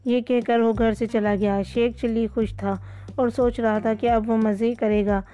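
Mellow woman narrating a children's story. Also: fairly high pitch, flat delivery, dull audio.

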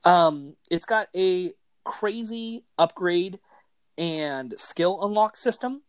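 A man hosting a casual gaming podcast, talking excitedly and enthusiastically in loose slang. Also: high voice, slow, smooth, no echo. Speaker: podcast host.

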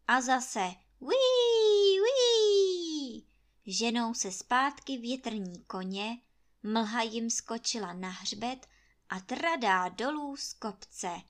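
A woman storyteller reading a fairy tale aloud in a lively, expressive way. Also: mid-range voice.

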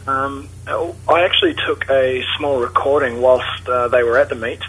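A man's voice: medium pitch, steady tone, normal speed, fairly bright tone, breathy edge. A man with a New Zealand accent leaving a playful voicemail, hesitant and full of fillers, recorded over a phone line. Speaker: caller. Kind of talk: voicemail with mock interview. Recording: phone line with faint noise.

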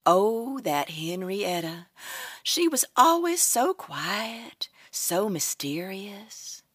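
A woman's voice: medium pitch, very animated, very slow, no room sound, clean studio sound, exaggerated voice. Sugary Southern belle switchboard operator, swooping. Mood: sweetly gossipy. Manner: drawling, coy, theatrical. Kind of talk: old-time radio comedy acting.

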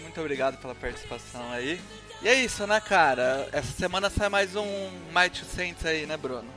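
A man's voice: a little high, animated, brisk. A Brazilian man hosting a casual live sports show. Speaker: host. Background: music.

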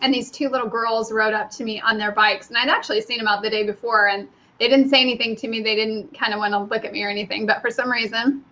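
A woman's voice: on the high side, fairly even intonation, fast talker, few pauses, pushed and bright. A woman co-hosting a casual chat, upbeat and laughing easily as she reads viewer comments. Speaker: co-host reading viewer comments. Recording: dull lo-fi audio.

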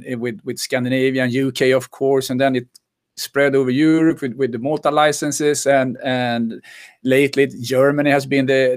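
An enthusiastic man hosts a podcast interview with a mid-range voice. He often trips over his words and restarts phrases as he pushes his questions forward. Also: medium pitch. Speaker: podcast host.

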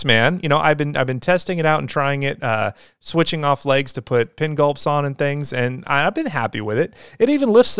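A man's voice: medium pitch, a bit bright, smooth, no room sound, clean studio sound. A man hosting a casual solo podcast, talking in an upbeat, rambling way with lots of fillers and restarts. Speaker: podcast host.

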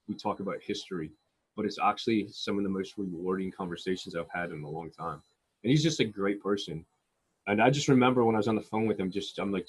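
A man with a low, husky voice talks with eager, rambling enthusiasm as an interview guest, often restarting his sentences. The sound is dry and close, with no room around it. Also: no echo. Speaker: actor guest. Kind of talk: casual interview talk.

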